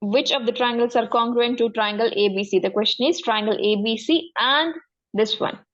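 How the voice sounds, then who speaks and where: A woman's voice: fairly high pitch, moderate pace, lo-fi sound. A woman with a South Asian accent teaching maths one-to-one, encouraging and often checking that the student follows. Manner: encouraging, frequently checking understanding. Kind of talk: interactive one-to-one tutoring.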